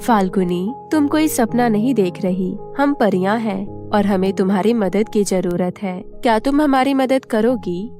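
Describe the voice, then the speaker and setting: A woman voicing a gentle young fairy, earnest and coaxing, in a cartoon storybook. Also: medium pitch, unhurried, hardly any pauses, music in the background, lightly acted. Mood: pleading.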